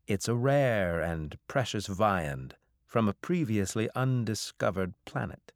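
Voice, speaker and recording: A man's voice: lowish voice, animated, slow pace, no room sound, clean studio sound. A man voicing a roguish alien trader captain, cheeky and breezy, in an audiobook. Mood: salesmanlike. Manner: glib, breezy.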